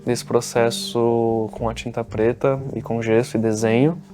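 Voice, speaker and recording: A man's voice: mid-range voice, little pitch movement, unhurried, dark tone. A man in his thirties with a São Paulo Brazilian accent, talking about his work as an artist. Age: 30s. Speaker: painter. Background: music.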